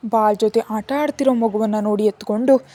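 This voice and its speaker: A woman narrating a spoken story in a calm, even storytelling manner. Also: fairly high pitch, fairly quick.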